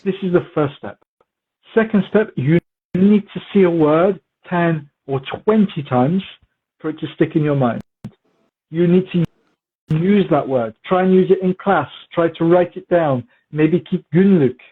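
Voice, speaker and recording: Brief: man, language teacher, husky, slightly high voice, tinny phone-like sound. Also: measured pace. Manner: relaxed, repetitive for emphasis, mixes in Turkish words. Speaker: English teacher interviewed as guest. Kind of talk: casual conversational Q&A. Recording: muffled phone-like audio.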